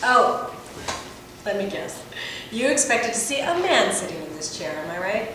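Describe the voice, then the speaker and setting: A woman's voice: medium pitch, big pitch swings, normal speed, close to an everyday voice. A woman playing a brash, sardonic adult-film producer and agent in a script read aloud, with a wry, teasing, theatrical manner. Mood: wry, probing. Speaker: actor at a table read. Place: echoey room at a table read. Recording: distant mic in echoey, noisy room.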